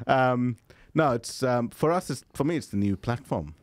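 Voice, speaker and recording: A man from Liverpool, a startup founder talking frankly on a casual podcast panel, with halting restarts and laughs at himself. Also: medium pitch, animated. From England (Liverpool).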